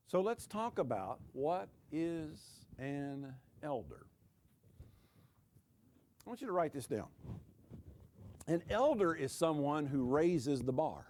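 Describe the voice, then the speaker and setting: Man in his sixties, preacher, sermon, high voice, slow deliberate pace, sinks low on key words. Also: a little hiss or hum. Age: 60s. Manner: dramatic pauses, voice dropping low on key words; jokes with the audience.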